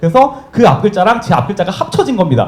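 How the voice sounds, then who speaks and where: Speaking fairly quickly, a man sends his pitch through very wide swings. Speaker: customs broker and exam lecturer. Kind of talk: exam prep information session. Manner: fast.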